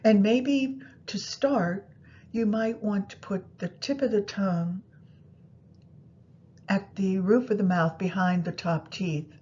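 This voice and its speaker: A woman guiding a meditation practice in a soothing, unhurried manner, pausing between phrases. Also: mellow. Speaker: yoga nidra meditation guide. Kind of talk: guided meditation instruction. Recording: muffled, low rumbling background noise.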